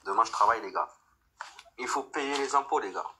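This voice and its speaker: A young man from France chats on a livestream in a loose, rambling way, full of fillers and restarts. His voice is bright and forceful and sits at an ordinary pitch. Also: animated, a little fast, a little hiss or hum. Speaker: livestream host. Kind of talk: casual livestream chat.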